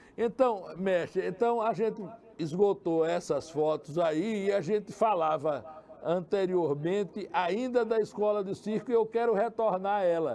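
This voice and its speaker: Behind this man is noticeable background noise. His high pitch has ordinary pitch variation, at a fairly slow pace. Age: 60s. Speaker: tv interviewer. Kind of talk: interview.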